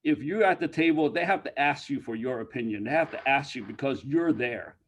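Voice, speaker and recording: A man speaking as a panel guest, blunt and forceful, slowing down to stress his points. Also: medium pitch, lively intonation. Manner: blunt, forceful, slows for emphasis. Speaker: panel guest, community advocate. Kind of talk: panel discussion. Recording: dull lo-fi sound.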